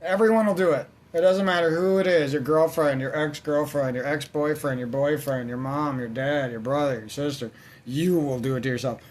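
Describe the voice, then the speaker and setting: A man's voice: fairly high pitch, steady tone, normal speed, slight background noise. A man ranting in casual let's-play commentary, rambling and swearing constantly as he vents. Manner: rambling, profane, venting. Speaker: gaming channel host.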